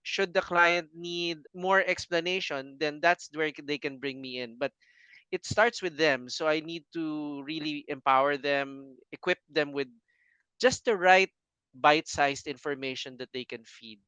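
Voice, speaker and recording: A man's voice: a little high, unhurried, sharp tone, clear, resonant tone, no room sound. A man, a banking guest earnestly explaining sales in a casual interview.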